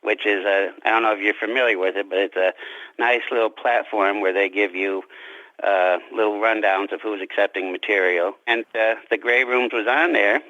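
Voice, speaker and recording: Lowish, bright-edged man, slightly dull recording. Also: fairly even intonation, moderate pace, no room sound. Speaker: interview guest, author. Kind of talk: conversational interview.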